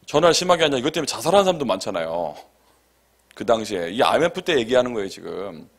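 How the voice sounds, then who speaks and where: Man, pastor, sermon, conversational storytelling, animated pitch, medium pitch. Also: quick pace. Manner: conversational storytelling with acted quotes and laughter. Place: church sanctuary.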